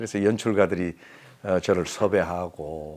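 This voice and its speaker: A very slow, lively-intoned man's voice in a Gyeongsang accent. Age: 60s. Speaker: singer. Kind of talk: interview answer.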